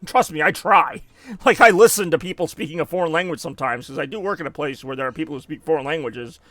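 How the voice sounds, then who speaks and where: A man from the United States talks loosely over a video game, wandering off topic, correcting himself and grumbling when he dies in the game. His voice is bright and fairly high for a man. The sound is dry and close, with no room in it. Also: fast, dry recording. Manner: rambling, self-correcting, reacts to game deaths. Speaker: streamer. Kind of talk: casual gameplay chat.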